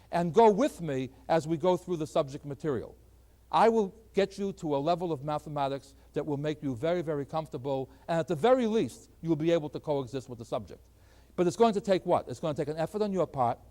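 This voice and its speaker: A middle-aged man lecturing as a math professor, animated and emphatic, with folksy asides to his students. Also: on the high side. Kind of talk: classroom lecture.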